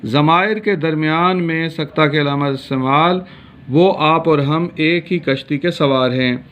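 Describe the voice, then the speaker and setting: A man's voice: a little high, unhurried. A man from Pakistan teaching a grammar lesson, reading steadily with frequent hesitation sounds. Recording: dull lo-fi recording.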